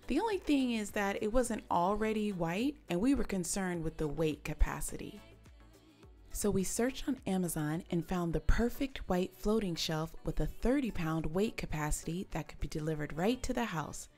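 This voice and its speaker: Woman, lowish voice, explanatory DIY voice-over over faint music. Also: animated, moderate pace, darkish tone. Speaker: DIY channel co-host. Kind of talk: scripted how-to voice-over.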